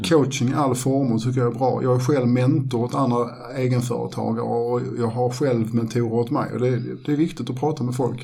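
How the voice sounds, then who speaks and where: At a fairly quick pace, a man speaks at a medium pitch in a monotone, flat delivery, with noticeable background noise and audible room echo. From southern Sweden (Ystad, Skåne). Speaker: TV reality participant and business coach. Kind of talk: interview.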